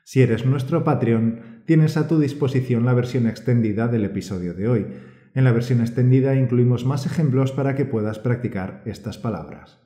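A man from with a mellow, warm voice, co-hosting a scripted grammar lesson. He explains rules calmly and encourages the listener. The recording has a roomy echo. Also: medium pitch, moderate pace. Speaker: podcast co-host and Spanish teacher. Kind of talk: scripted teaching podcast.

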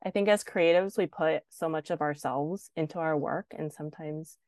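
A woman's voice: low-pitched, moderate pace, a little mellow, dry recording. A young woman, a designer and podcast guest, chatting casually and filling her talk with "like". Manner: chatty, heavy use of "like". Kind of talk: casual interview chat.

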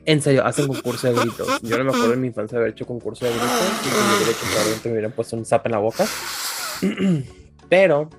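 A woman's voice: a bass voice, big pitch swings, fast, very noisy. A woman with a Mexican accent telling slangy stories in a casual chat and often laughing, talking over headphones on a remote call. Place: home room, remote call.

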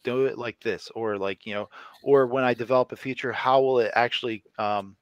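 A man chatting as a podcast guest, speaking haltingly with "like" and "you know" between his words. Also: mid-range voice, steady tone, dry recording, lo-fi sound. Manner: halting, filler-heavy. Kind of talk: casual chat.

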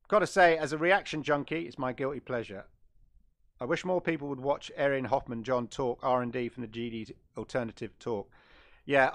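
A middle-aged man hosting a casual gaming livestream, chatting loosely and often correcting himself. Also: medium pitch. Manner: rambling, chatty, self-correcting. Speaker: gaming channel host.

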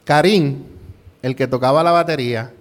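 A man's voice: medium pitch, moderate pace. A middle-aged male pastor preaching a conversational sermon built around a personal story. He keeps asking rhetorical questions, tags his points with "¿verdad?", and slips English words into his Spanish.

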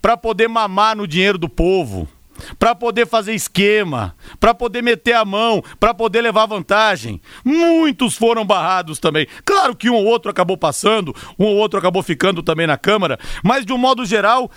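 A Brazilian man hosting a radio show in an animated, emphatic, rhetorical style, repeating phrases for effect. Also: sits high, normal speed, no echo, clean studio sound. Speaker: sports radio host. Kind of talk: animated radio presenting with opinion.

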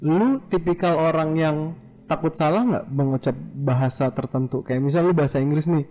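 A man's voice: on the high side, moderate pace, warm tone, a little hiss or hum. A man hosting a casual chat in slangy speech with short English interjections. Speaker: podcast host.

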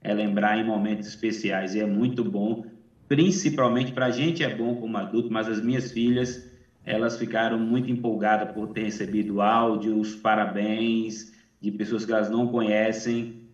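A middle-aged man from Salvador, Brazil, a missionary pastor speaking in a chatty, warm way with self-deprecating humor. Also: fairly low pitch, fairly even intonation, moderate pace, distant mic. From Salvador, Bahia, Brazil. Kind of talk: sermon over video call. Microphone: video call. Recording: dull, echoey video call from afar.

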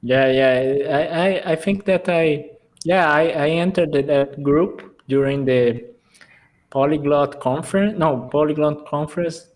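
A man's voice: a little high, unhurried. A man hosting a casual online interview in non-native English, laughing often and phrasing things carefully. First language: not English. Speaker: host of an online live interview. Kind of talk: casual live-stream interview.

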